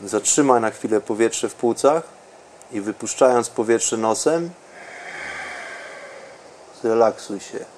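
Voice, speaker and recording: A man speaking in a calm, unhurried, soothing way with long pauses, as a podcast host and meditation guide. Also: lowish voice, a little hiss or hum.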